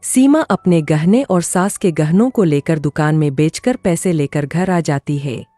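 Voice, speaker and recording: A woman narrating a cartoon story in an expressive storytelling style. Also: deep voice, unhurried, no room sound, soft background music.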